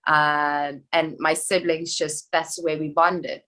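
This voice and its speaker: A young adult woman from South Africa, an actress talking in a casual podcast chat, chatty and animated with quick asides. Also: sits low. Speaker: actress guest.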